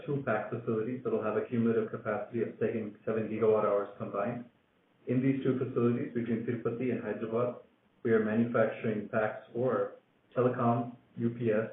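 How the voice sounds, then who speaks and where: A man giving a business update as a company executive on a conference call. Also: lowish voice. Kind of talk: business presentation on an earnings call. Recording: echoey, noisy, phone-like conference line.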